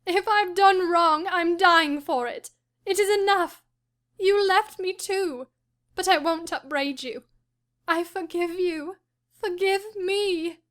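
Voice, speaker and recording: A woman's voice: extremely high pitch, slow, fairly bright tone, voice pushed up, heavily acted. A woman reading an audiobook and voicing a frantic, dying young woman who sobs and pleads. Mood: sobbing. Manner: sobbing, pleading.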